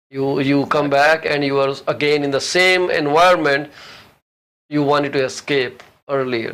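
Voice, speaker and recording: At a moderate pace, a man with an unremarkable speaking voice talks at a fairly high pitch, his intonation fairly even and his loudness very even. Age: middle-aged. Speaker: TV talk show host. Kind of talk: interview.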